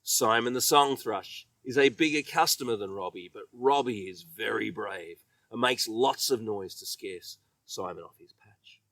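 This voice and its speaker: Male children's storybook reader, bright and expressive, emphatic phrasing, recorded dry and a little off the mic. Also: on the low side, moderate pace, few pauses, no room sound, distant mic. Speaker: children's author reading own book.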